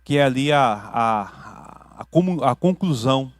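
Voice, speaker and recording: A Brazilian man preaching a teaching sermon as pastor, building to loud emphatic peaks and dropping to quiet asides, often checking in with his listeners. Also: mid-range voice, lively intonation, measured pace, no room sound. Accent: Brazilian Portuguese. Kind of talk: teaching sermon with questions to the congregation. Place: church hall.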